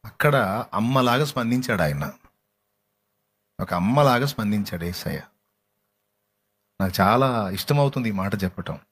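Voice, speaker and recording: A man preaching a sermon with passion, moving between hushed, tender speech and heartfelt pleading, with a Telugu accent. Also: fairly low pitch, animated, normal speed, pauses often, slightly rough. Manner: impassioned preaching that breaks into song, soft and hushed at times. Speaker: pastor. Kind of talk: sermon with sung worship.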